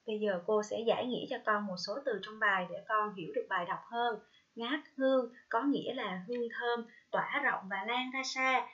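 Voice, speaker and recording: Woman teacher from vietnam reading a lesson to little kids, sounds out each syllable slow and gentle, kinda muffled lo-fi sound. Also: on the high side. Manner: slow, careful syllable-by-syllable pronunciation drills; gentle, coaxing address to young pupils. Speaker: primary school teacher. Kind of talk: recorded reading lesson for first graders. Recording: dull lo-fi recording.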